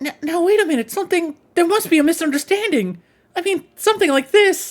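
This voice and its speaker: In a put-on character voice, the speaker sounds nervous, shaky and squeaky at an extremely high pitch and a fairly quick pace. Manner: shivering, nervous.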